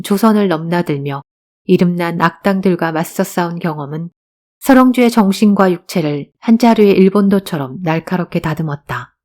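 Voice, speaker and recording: A woman narrating an audiobook in a calm, steady storytelling manner. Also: fairly low pitch. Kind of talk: scripted narration.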